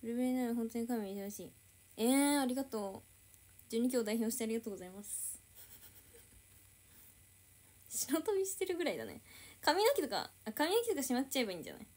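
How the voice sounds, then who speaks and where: A woman's voice: fairly high pitch, big pitch swings, fast, long pauses, a little mellow. A young woman idol chatting casually on a livestream, reading and answering viewer comments.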